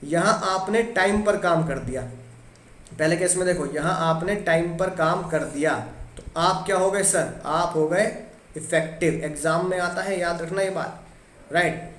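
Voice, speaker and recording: Lively high-voiced male teacher, echoey room. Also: unhurried. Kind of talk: energetic exam-prep lecture.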